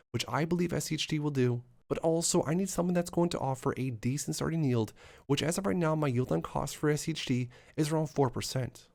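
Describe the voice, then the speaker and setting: A man in his thirties hosting an investing channel, talking fast through numbers with upbeat lists and asides. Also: on the high side, vocal fry, a little mellow. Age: 30s. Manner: brisk, upbeat run-on explaining with lots of lists and asides. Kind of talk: solo finance talk to camera.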